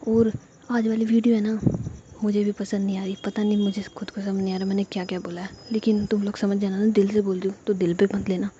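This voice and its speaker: A woman's voice: mid-range voice, little pitch movement, quick pace, warm tone, highs cut off, slight background noise. A young woman telling a romantic story in a casual, chatty way, full of fillers, voicing the characters' pleading lines herself.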